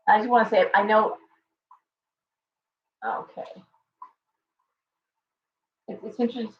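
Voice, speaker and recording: A woman hosting a casual tarot livestream, chatty and hoarse, thanking viewers by name as she reads the cards. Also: medium pitch, distant mic, a little hiss or hum. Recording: dull, roomy livestream audio from off-mic.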